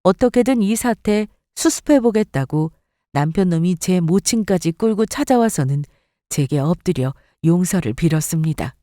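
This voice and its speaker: A woman narrating a dramatized first-person story for an audio story channel. Her delivery is scornful and emphatic, with lively swings in pitch. The recording is close and dry. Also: moderate pace, dry recording.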